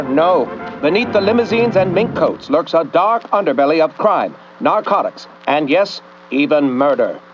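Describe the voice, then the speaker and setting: An actor playing a sensational 1950s newsreel announcer, theatrical and ominous in his narration of crime. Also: high voice. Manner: theatrical, melodramatic delivery. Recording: dull old newsreel recording, faint noise.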